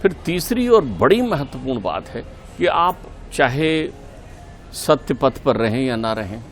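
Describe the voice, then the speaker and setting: A man's voice: medium pitch, very animated, a little slow. A middle-aged man giving a spiritual talk as a guest in a TV interview, earnest and preaching, repeating key points for emphasis.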